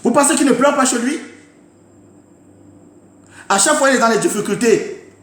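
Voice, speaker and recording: His voice is very high and a bit bright, at a normal speed, as he rants passionately about politics on a live stream. He scolds emphatically and hammers his points again and again, with a roomy sound.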